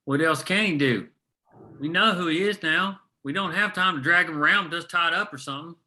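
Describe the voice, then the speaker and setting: Cautious, level-headed man, acted by a male reader: plain-spoken, reasoning, strikingly bright and forceful, drama. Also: fairly high pitch, fairly quick. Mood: urging, firm. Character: level-headed, cautious ally urging restraint. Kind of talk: script table read.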